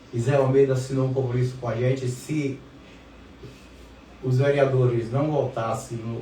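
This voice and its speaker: In a room with audible echo, a man at medium pitch speaks at a fairly slow pace in a dark, mellow, somewhat breathy tone with fairly even intonation. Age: 60s. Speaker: retired education worker and community activist. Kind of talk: interview. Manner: halting, with repetitions and fillers.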